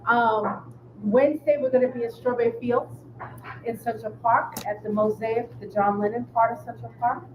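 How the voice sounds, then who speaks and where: A woman's voice: on the high side, fairly even intonation, normal speed, dull audio, background noise. A woman organizing a fan gathering, speaking to a crowd in an upbeat way.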